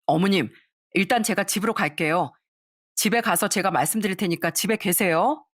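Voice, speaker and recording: A woman's voice: mid-range voice, moderate pace, no room sound, clean studio sound, close to an everyday voice. A woman voicing a polite, urgent male friend. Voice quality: courteous, steady.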